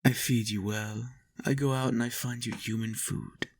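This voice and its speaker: Creaky, possessive vampire master, acted by a man. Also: medium pitch, fairly even intonation, normal speed. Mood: possessive, doting. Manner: coaxing, teasing, soft menace with chuckles. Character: possessive vampire master, doting, teasing, faintly menacing. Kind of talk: intimate roleplay audio monologue.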